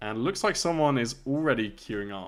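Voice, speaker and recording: On a very clean recording with a silent background, a man speaks with a British accent. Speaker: AI security streamer. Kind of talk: live gaming stream commentary. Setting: live stream.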